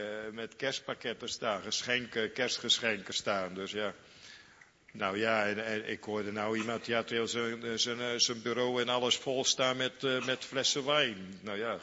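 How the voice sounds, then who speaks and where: A man's voice: lowish voice, pushed and bright, big-room sound, highs cut off. A man preaching a sermon, fervent and repetitive, lingering on each phrase.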